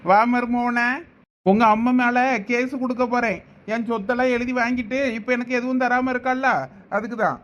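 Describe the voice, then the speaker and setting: A man plays a wronged middle-aged brother in a cartoon family feud, speaking with a Thoothukudi Tamil accent. His voice sits very high, and he argues loudly and will not back down. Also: little pitch movement, moderate pace, dull audio. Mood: angry. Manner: loud, insistent arguing. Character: aggrieved middle-aged brother, father of two daughters. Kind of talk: cartoon family drama voice acting.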